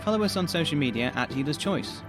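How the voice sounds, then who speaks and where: A man's voice: on the high side, animated, quick pace. A man reading scripted credits for an audio drama trailer. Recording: music behind the voice.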